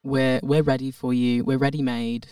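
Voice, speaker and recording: A man's voice: medium pitch, flat delivery, normal speed, warm tone, clear, resonant tone, no room sound, clean studio sound, recorded from a distance. A man, a guest actor, chatting casually and upbeat on a podcast with frequent laughs.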